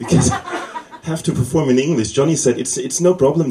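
A man with a strong German accent over noticeable background noise. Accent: thick German. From Germany. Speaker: stand-up comedian. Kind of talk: live stand-up comedy set. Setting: live comedy club with audience. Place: stage.

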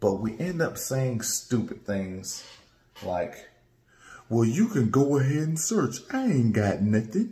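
With an American accent, a man speaks very slowly at medium pitch in a dark, mellow, somewhat breathy tone, and audible room echo surrounds him. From Missouri. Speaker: legal commentary youtuber; legal commentary vlogger. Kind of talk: monologue. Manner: casual, conversational. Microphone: phone near.

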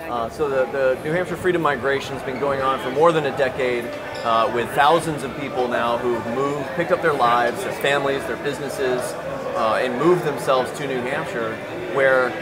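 Fairly quick speech from a man over background music. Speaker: interviewee, radio host. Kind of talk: interview answer. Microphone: lapel.

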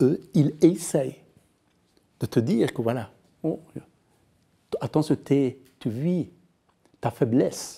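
A man with a fairly high pitch and a dark, mellow tone speaks at a very slow pace, somewhat breathy, with ordinary pitch variation. Long, frequent pauses break up his speech over a quiet background. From Afghanistan. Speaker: novelist and filmmaker; interviewee. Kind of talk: interview. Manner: halting with frequent repetitions. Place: studio. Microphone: lapel.

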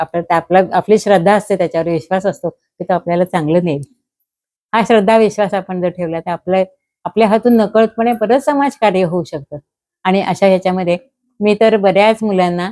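The woman's voice sits at a medium pitch with a dark, mellow tone and ordinary pitch variation. The sound is dry and close, with no echo. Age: 70s. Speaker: elderly storyteller, memoir author. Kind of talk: personal reminiscence.

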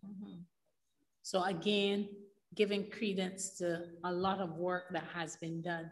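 A woman's somewhat breathy, monotone, flat delivery at a very slow pace, with audible room echo. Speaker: project consultant. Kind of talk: meeting chairing.

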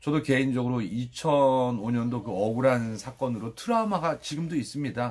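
A man at a moderate pace. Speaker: former comedian turned counseling psychology professor. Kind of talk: live-stream monologue. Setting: live stream. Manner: serious, subdued. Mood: earnest, reflective. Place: home room. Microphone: phone near.

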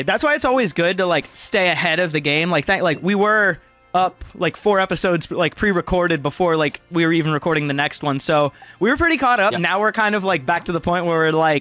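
Faint music plays in the background of a dry recording with no echo. A man with a high pitch speaks at very even loudness with ordinary pitch variation. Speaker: gaming video co-host. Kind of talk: casual gaming commentary. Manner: fast talker. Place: home room.

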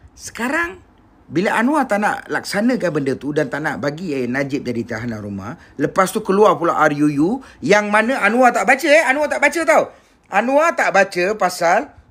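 Bright and sharp in tone, a man's high-pitched voice moves through very wide pitch swings. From Perak, Malaysia. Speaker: live-stream political commentator host. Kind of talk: angry rant. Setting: live stream with viewers commenting. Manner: ranting, loud, sarcastic, indignant, fast and repetitive. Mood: agitated, indignant. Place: home room. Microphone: phone near.

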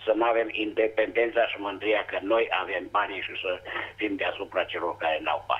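Over noticeable background noise, a man talks fairly slowly with lively intonation. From Romania, Banat mountains. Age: 60s. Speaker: retired furrier, caller. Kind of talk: phone-in call. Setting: phone call.

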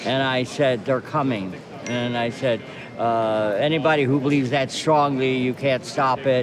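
Fairly even intonation over noticeable background noise. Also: man, moderate pace. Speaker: interviewee. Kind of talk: interview answer. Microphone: lapel.

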